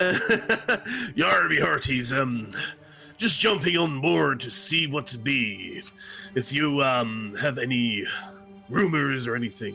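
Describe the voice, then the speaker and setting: A man speaks at a fairly slow pace in a put-on character voice, his pitch medium. Clear music plays in the background. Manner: hearty, swashbuckling.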